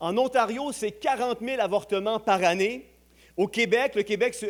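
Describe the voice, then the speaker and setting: On a very clean recording with a silent background, a man speaks loudly at a fairly slow pace, with a high pitch and ordinary pitch variation. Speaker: pro-life activist. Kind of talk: church announcement talk. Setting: church with congregation.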